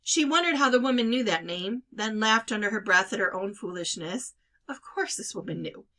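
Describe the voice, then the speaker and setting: Female read-aloud narrator for children's fiction, bright and lively, expressive storytelling. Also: mid-range voice, moderate pace. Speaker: storybook reader.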